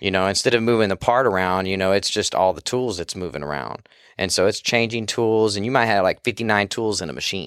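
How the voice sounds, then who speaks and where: Hardly pausing, a man with a Texan accent talks in a fairly low pitch. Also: ordinary pitch variation, fairly quick pace. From Texas, Spring. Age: 40s. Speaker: manufacturing executive, former Marine. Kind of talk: casual chat. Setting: studio.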